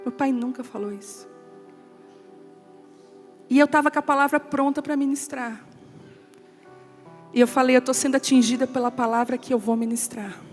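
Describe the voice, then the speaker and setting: A woman pastor giving an emotional testimony sermon, telling a family story and quoting relatives in a softer voice. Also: sits high, steady tone, moderate pace, long pauses. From Brazil. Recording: long hall reverb with soft music.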